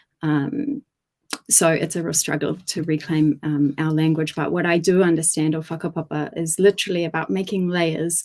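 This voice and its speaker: A woman with a New Zealand accent speaks at a fairly low pitch and moderate pace, with ordinary pitch variation. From New Zealand, far north. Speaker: poet. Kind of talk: live reading event talk. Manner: hesitant, many fillers.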